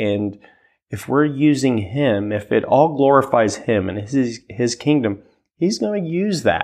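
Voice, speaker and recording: A man with an American accent speaks at a fairly slow pace in a normal speaking voice. His pitch is medium, and the background is quiet. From Missouri, US Midwest. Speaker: guest sharing faith story. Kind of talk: testimony.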